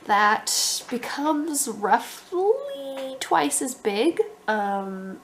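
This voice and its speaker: A woman's voice: high-pitched, huge pitch swings, drawn-out words, vocal fry, slight background noise. A young adult woman with a stuffy, congested voice, talking casually about her writing and thinking aloud with lots of ums. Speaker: author vlogger.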